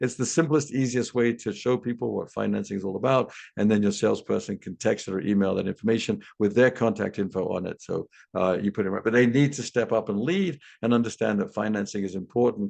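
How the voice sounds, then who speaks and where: A man with an English accent, fairly low pitch, vocal fry, ordinary pitch variation and a very fast pace against a quiet background. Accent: English accent, noted by himself. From England. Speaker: new home sales trainer. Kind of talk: webinar presentation. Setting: webinar video call. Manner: halting, many repetitions and fillers.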